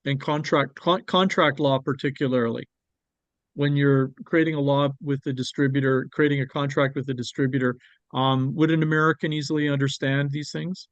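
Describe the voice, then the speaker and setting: A man with a Canadian accent presenting on export markets, talking it through with a guest and pausing often on ums and restarts. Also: mid-range voice, steady tone, no echo, lo-fi sound. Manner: hesitant, with many ums and restarts.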